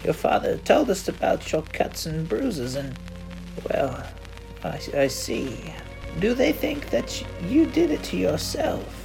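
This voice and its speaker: A gentle, coaxing nun in a horror radio drama, speaking slowly with a lilting, gravelly edge, as a woman reader plays her. Music plays clearly underneath her voice. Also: lowish voice, very animated, full character voice, rough recording. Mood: soothing. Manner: slow, soothing, gently persuasive. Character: calm, coaxing nun caring for a child. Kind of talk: horror audio drama reading.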